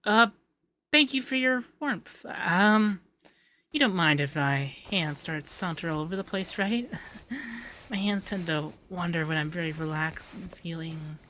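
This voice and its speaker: Man playing a bright-voiced, shy, flirty femboy. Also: high voice, slight background noise. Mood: relaxed, coy. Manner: halting, stammering, coy. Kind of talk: intimate ASMR roleplay.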